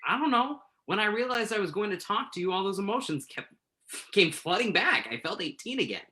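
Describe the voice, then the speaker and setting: Woman playing an insistent, bright-voiced male writer. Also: mid-range voice, very animated, a little fast. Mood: earnest, pleading. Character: male writer Tim, pen name Tuck, joking, wounded, insistent. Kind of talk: virtual staged play reading.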